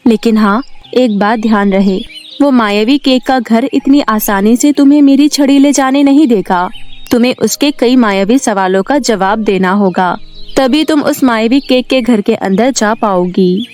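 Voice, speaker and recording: Cartoon fairy, performed by a woman narrator: fairly high, gentle, earnest explainer, music bed underneath. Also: natural voice. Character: gentle female fairy needing help. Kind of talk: animated Hindi moral story acting. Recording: music behind the voice.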